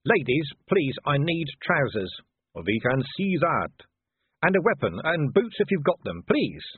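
A man's voice: on the high side, very animated, a little slow, breathy edge, no room sound, voice pushed up, heavily acted. A man reading the part of a weary male city watch commander, dry and clipped. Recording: tinny phone-band sound.

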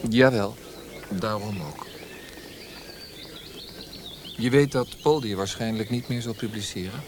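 An actor playing an earnest, formal young Viennese writer in a Dutch radio drama, speaking in a measured, hesitant way. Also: male voice, on the low side, noisy background, close to an everyday voice.

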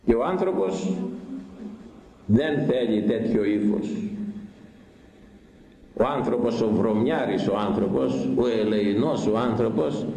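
A man's voice: mid-range voice, lively intonation, gravelly, long pauses, mellow. A man preaching a sermon, building points through repetition and rousing questions to his congregation. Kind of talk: sermon on scripture. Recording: echoey room.

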